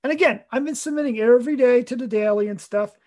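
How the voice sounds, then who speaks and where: A man's voice: very high voice, quick pace, a little mellow. A man co-hosting a cartoonist podcast in casual chat, earnest and rambling, correcting himself mid-sentence.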